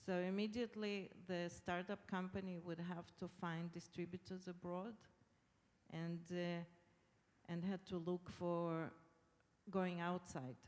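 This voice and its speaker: A middle-aged Israeli government official, a native Hebrew speaker with an Israeli accent, lays out her points as a panelist in a large conference hall. Her lowish, darkish voice is flat and a little slow, and the hall gives a long reverb.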